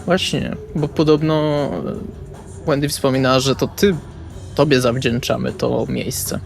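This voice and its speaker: A man's voice: medium pitch, steady tone, a little slow, gravelly, soft background music. A man playing a laid-back, polite young vampire in an improvised tabletop role-play, hesitant and understated. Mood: wry, casual.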